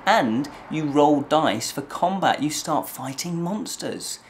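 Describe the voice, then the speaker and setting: A man in his forties hosting a review show, talking to camera in an animated, emphatic, conversational way. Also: fairly high pitch, slow pace, slight background noise. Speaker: host of a fantasy review show. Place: small indoor room with fabric backdrop.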